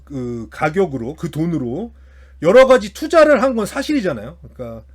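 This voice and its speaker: A man hosting a finance commentary, talking through an analysis unscripted and hesitantly, often repeating and restarting his phrases. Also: high-pitched. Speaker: host of a finance commentary channel.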